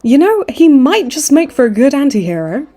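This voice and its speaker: Smug, mellow-voiced flirty villainess played by a woman. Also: high voice, sing-song, moderate pace. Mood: teasing. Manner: teasing, mock-sweet, theatrical taunting. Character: smug flirtatious female supervillain in her late twenties, hospitalized. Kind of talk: comedic audio roleplay acting.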